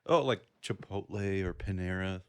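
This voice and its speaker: A man's voice: low voice, moderate pace, clean tone. A man co-hosting a casual podcast chat, making dry sarcastic quips. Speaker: podcast co-host.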